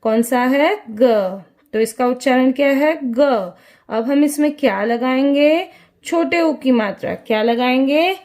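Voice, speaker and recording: A woman teaches small children in a high, clear voice. She talks slowly and patiently, asking each question twice and answering it herself. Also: darkish tone. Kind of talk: children's lesson.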